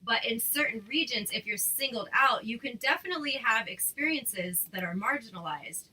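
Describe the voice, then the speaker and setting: A woman's voice: a little high, animated, normal speed, pushed and bright, a little hiss or hum, low-quality recording. A woman hosting a casual chat over a video call, talking in loose, filler-heavy sentences with frequent restarts. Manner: chatty, many fillers and restarts. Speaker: host.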